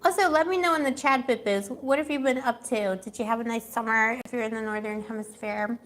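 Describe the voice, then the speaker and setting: A woman's voice: fairly high pitch, brisk, a bit bright, slight background noise. Chatty, gossipy woman reading tarot. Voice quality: gossipy, chatty, laughs often. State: losing her voice. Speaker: tarot reader. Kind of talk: casual livestream tarot reading.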